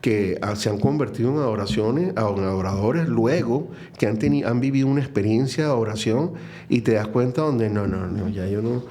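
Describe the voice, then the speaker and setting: A middle-aged man with a Venezuelan Spanish accent speaks in a fairly low, dark voice at a moderate pace. He's a guest on a conversational interview, a Catholic music minister, talking earnestly and reflectively with lots of fillers and restarts.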